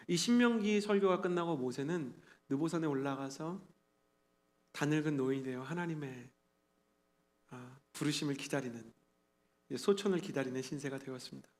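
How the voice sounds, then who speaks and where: A man in his thirties preaching a sermon to a young adult congregation, earnest and animated, acting out quotes as he tells stories. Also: a little high. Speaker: pastor. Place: church sanctuary.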